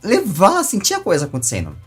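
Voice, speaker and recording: A Brazilian man with a husky voice works as an interviewer, offering long casual comments. His phrasing halts, then bursts into emphasis. There is faint music behind him. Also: sits high, huge pitch swings, quick pace.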